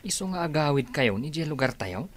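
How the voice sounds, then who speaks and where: An eager young friend in a radio drama. His voice sits a little high and bounces lively through each line. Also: brisk. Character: young man Alex, friend of the groom.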